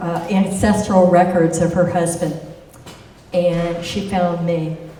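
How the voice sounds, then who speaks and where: Amid noticeable background noise and audible room echo, a woman with an American accent speaks at a very slow pace and a medium pitch. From Pittsburgh, Pennsylvania. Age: 70s. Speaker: storyteller and author. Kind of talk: personal storytelling.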